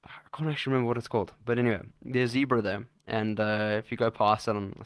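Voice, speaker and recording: Flat and fast, this medium-pitched male voice carries a South African accent and comes through with no echo. He's an interview guest on a video call, chatting informally with slang and drifting into rambles and false starts.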